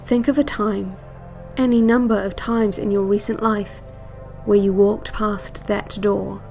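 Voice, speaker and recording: A woman playing a calm, controlling instructor on a guided visualization cassette, speaking slowly in a measured, clinical way. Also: mid-range voice. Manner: slow, measured, clinical, hypnotic. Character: calm, controlling female relaxation-tape instructor.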